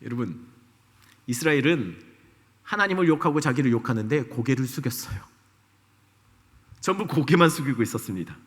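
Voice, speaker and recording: A man's voice: mid-range voice, expressive, brisk, pauses often, fairly bright tone. A male pastor preaching a sermon in a church, telling a story with energy and putting questions to the congregation. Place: church sanctuary. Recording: long reverb of a church hall.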